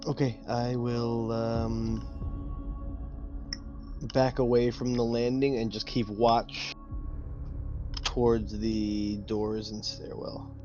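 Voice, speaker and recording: Male player, mid pitch, flat delivery, deliberate, lo-fi sound. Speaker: player in a tabletop roleplaying game. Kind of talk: casual game chat. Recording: dull lo-fi audio under music.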